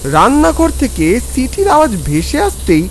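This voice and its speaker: A man acting an animated, concerned storyteller. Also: very high voice, normal speed, a little hiss or hum, full character voice. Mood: narrating, uneasy. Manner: animated, expressive, questioning. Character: Nilkanta, concerned, skeptical man narrating a ghost story. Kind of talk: dramatic scripted Bengali audio story narration. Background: background music.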